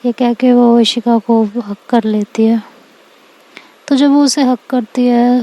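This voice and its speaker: Mellow-voiced woman telling a story. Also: on the high side, rough recording. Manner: conversational, links every sentence with "to". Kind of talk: casual spoken storytelling.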